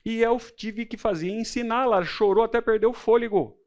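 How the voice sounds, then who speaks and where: Emphatic high-voiced male Bible teacher. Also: steady tone, fairly quick, dull audio. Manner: preacherly, emphatic, shifting between low intensity and loud stress; uses personal anecdotes and rhetorical questions. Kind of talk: teaching a recorded church class.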